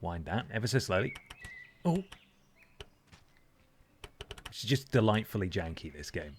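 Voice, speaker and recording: A man hosting a live gaming stream in casual chat. His slightly low voice swoops lively up and down, with faint noise behind it. He is animated, laughing and swearing as the game goes wrong. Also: measured pace. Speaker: streamer host.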